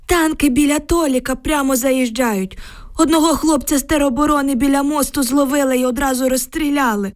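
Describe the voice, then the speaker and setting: A woman's voice: high-pitched, fairly even intonation, brisk, voice pushed up, lightly acted. A woman voicing a frightened village man of about seventy, who tells his news in a lamenting, emotional way.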